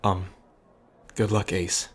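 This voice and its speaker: Guarded, earnest, lower-voiced man played by an actor. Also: little pitch movement, slightly rough, soft background music, heavily acted. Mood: anxious, awkward. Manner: earnest, halting, defensive. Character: guarded, worrying man, pragmatic, once heartbroken. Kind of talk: audio drama acting.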